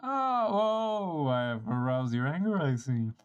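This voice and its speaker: A performer voicing a cryptic, mocking game character in a dramatic, drawn-out way. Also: mid-range voice, sing-song, smooth, highs cut off. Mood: taunting, amused.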